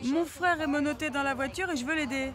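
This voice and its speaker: A woman's voice: sits high, a little fast, over music, close to an everyday voice. A woman dubbing a snowboard champion, talking in an indignant, defensive way. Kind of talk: dubbed reality-show dialogue.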